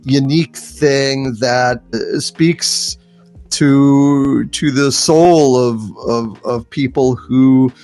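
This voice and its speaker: A man chatting casually as a guest on a panel, speaking in a halting, enthusiastic way. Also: mid-range voice, steady tone, darkish tone, faint music behind. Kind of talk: casual chat.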